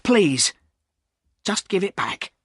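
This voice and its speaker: A man's voice: sits high, very animated, slow pace, fairly bright tone, husky, no room sound, clean studio sound, voice pushed up, full character voice. A man voicing a desperate, robbed weaver who cries out and pleads for his money. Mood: frantic. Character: frantic robbed middle-aged male weaver.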